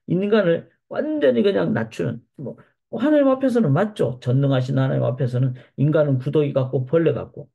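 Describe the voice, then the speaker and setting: A man's voice: a little high, vocal fry, warm tone, slightly rough. A male pastor giving a Bible study lecture, reading scripture passages aloud and then explaining them. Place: church.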